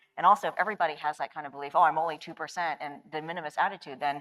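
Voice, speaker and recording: A woman's very deep, low voice, flat and monotone, at a very fast clip in a very clean recording against a silent background. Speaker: panelist. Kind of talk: panel discussion.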